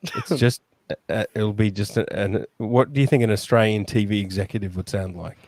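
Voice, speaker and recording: A man co-hosting a comedy podcast with dry teasing and hesitant restarts. His voice is low. The recording is dry and close. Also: a little fast, darkish tone, no room sound. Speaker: podcast co-host. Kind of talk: casual comedy chat.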